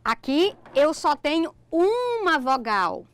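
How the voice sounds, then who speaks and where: Slow, high-voiced Brazilian woman teaching grammar. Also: sing-song, no echo. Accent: Brazilian Portuguese. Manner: explains slowly step by step, checks with "ok?". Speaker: Portuguese language teacher. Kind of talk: recorded online grammar lesson.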